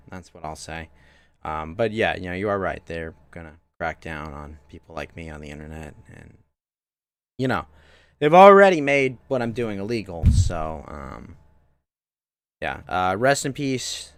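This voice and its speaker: A young man streams games from home, talking loosely with his chat in a deep, clean voice with no echo. His casual live-stream talk rambles, and he restarts his sentences a lot.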